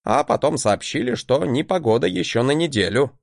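A man's voice: medium pitch, expressive, moderate pace, no room sound, clean studio sound. A man voicing a grumpy old male mage teacher who speaks tersely. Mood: grumbling. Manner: gruff, terse.

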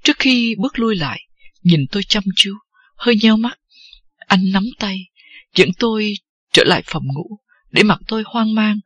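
Breathy unhurried audiobook narrator. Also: medium pitch, expressive, fairly bright tone, no room sound, dull audio. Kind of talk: first-person novel reading.

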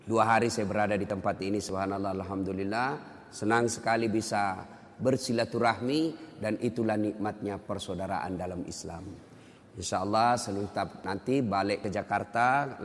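Animated preacher man in a reverberant hall. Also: lowish voice, normal speed. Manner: lively, animated storyteller. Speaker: Islamic preacher (ustadz). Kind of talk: sermon with comic storytelling.

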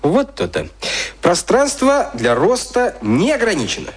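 A man's voice: high voice, huge pitch swings, measured pace, breathy edge, full character voice. A male actor in a radio drama playing a youngish, jovial and sly boss who talks bluntly and mockingly. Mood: brisk, patronising.

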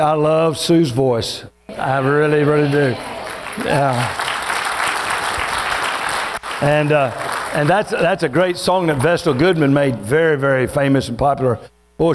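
A man preaches to his congregation in a folksy, joking way. His voice sits high for a man, and he stretches out the scripture readings. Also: measured pace, pauses often, a faint crowd. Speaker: pastor. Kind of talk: sermon.

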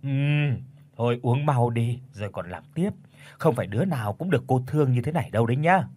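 A man's voice: medium pitch, lively intonation, brisk, a little mellow, natural voice. A man voicing a scheming older woman who runs a brothel, cold and mocking in an audiobook. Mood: coaxing. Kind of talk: audiobook character voice.

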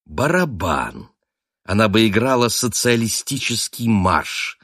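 A tired, sardonic husband, voiced by a man reading a novel, answering in cool, clipped phrases. His voice sits low and dry, close to the mic, with mockery underneath the restraint. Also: sing-song, takes it slowly, a bit bright, no echo, heavily acted. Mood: sardonic, weary. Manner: sardonic, clipped, through gritted teeth. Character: weary, sarcastic adult husband, cutting and cold.

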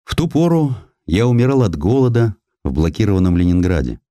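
Deep-voiced, animated male audiobook narrator. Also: brisk, no echo. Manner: expressive, theatrical storytelling. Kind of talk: dramatic scripted narration of historical essay.

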